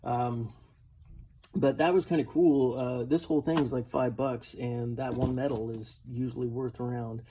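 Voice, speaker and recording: An older man with a medium-pitched voice talks through his collectibles in a loose, unscripted way. He wanders from point to point and gently pokes fun at himself. The recording carries some faint noise and small clicks. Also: steady tone, normal speed. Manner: rambling, self-deprecating. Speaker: collectibles reseller showing a garage sale haul. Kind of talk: casual unscripted show-and-tell vlog. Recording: clearly noisy home recording with clicks.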